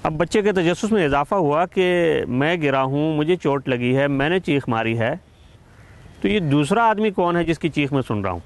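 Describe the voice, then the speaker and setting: A man telling a moral story and then explaining its lesson in a measured, explanatory way, addressing listeners as friends. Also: fairly high pitch, animated.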